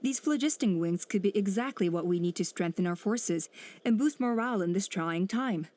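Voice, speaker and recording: An actress playing a female tribal elder who speaks calmly and deliberately, weighing each point. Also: medium pitch, natural voice. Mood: measured. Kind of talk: video game cutscene dialogue.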